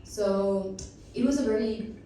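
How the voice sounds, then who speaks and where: A woman's voice: medium pitch, takes it slowly, warm tone, slight background noise. A woman, telling her personal story as a patient on a panel, chatty and full of fillers. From Costa Rica. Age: 20s. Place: conference hall. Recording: echoey hall from far off.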